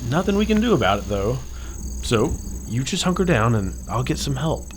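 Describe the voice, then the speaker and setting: A man's voice: medium pitch, very animated, normal speed, natural voice. A man playing a breezy, practical young fiancé who dismisses fears in a horror radio play, with crickets behind him. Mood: reassuring. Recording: noisy, insect sounds behind.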